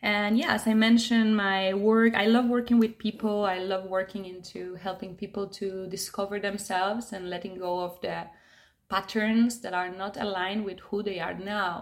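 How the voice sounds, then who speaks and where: A woman speaks at a moderate pace with a Spanish accent, her pitch sitting in the middle range. Her intonation stays flat and monotone. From Argentina. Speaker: yoga teacher and trauma facilitator. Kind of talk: casual chat.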